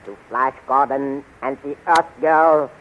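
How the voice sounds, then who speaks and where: A man playing a cunning, merciless tyrant emperor with slow, sinister delivery in a 1930s radio serial. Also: mid-range voice, steady tone, lightly acted. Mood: coldly scheming. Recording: dull, noisy 1930s radio recording.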